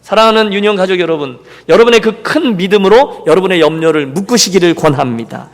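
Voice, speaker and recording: High-voiced pastor preaching in a reverberant church. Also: male voice, quick pace. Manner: preaching with a story, voicing the people in it. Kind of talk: sermon. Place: church sanctuary. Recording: long reverb of a church hall.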